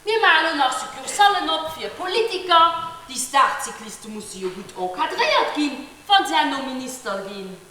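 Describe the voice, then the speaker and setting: A woman's voice: high voice, very animated, moderate pace, sharp tone, exaggerated voice. A woman with a Luxembourgish accent, acting a smug fixer of deals for politicians in a live cabaret sketch. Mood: sly. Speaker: cabaret actor. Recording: echoey tent stage recording with hiss.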